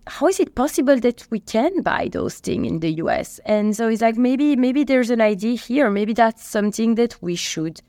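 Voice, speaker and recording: A woman's voice: a little high, expressive, normal speed, few pauses, warm tone, dry recording. A woman from Belgium with a Belgian accent, telling stories casually as an interview guest and acting out quoted dialogue. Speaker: company co-founder and CEO, podcast guest.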